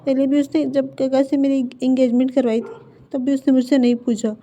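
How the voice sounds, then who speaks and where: A woman's voice: high-pitched, level tone, brisk, mellow, natural voice. A woman voicing an anxious young man who stammers and pleads, in a dull lo-fi recording. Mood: pleading.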